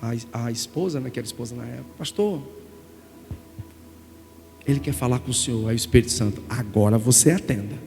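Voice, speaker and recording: Middle-aged man, Brazilian accent, preaching, gravelly voice, emotional storytelling, reverberant church hall. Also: mid-range voice, fairly quick, pauses often, soft background music. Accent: Brazilian Portuguese. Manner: emotional storytelling, animated, calls listeners "gente". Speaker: pastor. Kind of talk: sermon. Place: church sanctuary.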